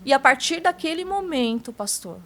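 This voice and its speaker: A woman's voice: high voice, animated, normal speed, sharp tone. A woman giving a casual spoken testimony to a pastor, telling her story and often tagging sentences with "né?". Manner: keeps addressing the listener as pastor. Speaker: church member giving a testimony.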